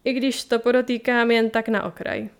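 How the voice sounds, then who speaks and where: A woman's voice: a little high, level tone, clean tone, close to an everyday voice. Woman putting on a sly purring lion. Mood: teasing. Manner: purring, teasing. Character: sly teasing male lion companion.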